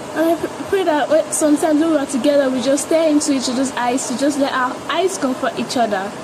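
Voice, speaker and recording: Over noticeable background noise, a woman talks very fast in a high voice with ordinary pitch variation. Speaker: spoken word poet. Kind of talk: spoken word poetry, an intimate devotional letter to an imagined future husband. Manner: earnest and yearning, pleading rhetorical questions building to prayerful promises; tender and devout, softly invoking Allah in a romantic vow. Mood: emotional, tender, near tears. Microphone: phone near.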